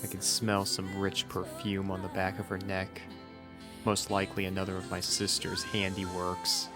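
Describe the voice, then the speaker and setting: A man's voice: low voice, monotone, moderate pace, over music. A man reading a first-person story as scripted narration, in an earnest, sentimental manner. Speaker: fan fiction reader.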